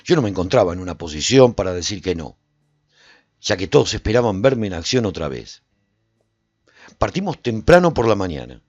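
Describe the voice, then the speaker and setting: Reflective apocalypse survivor, first-person radio drama narration. Expressive, swooping intonation, dry and slightly dull recording. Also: male voice, fairly low pitch, normal speed, long pauses, breathy edge, dry recording. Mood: reflective, measured. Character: reflective male survivor recounting life in a post-apocalyptic walled city. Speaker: narrator and actor in a radio serial.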